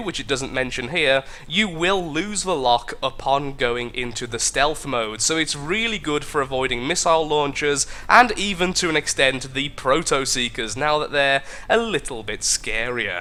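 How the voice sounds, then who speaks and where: With a British accent, a man talks at a moderate pace in a fairly high pitch, his intonation lively over noticeable background noise. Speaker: gaming video creator. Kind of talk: game update guide narration.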